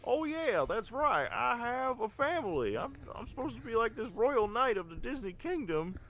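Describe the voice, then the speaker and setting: High-pitched goofy cartoon dog dad. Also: male voice, sing-song, normal speed, a bit bright, full character voice. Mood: sheepish, exclaiming. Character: goofy cartoon dog dad, royal knight, sheepishly remembering family.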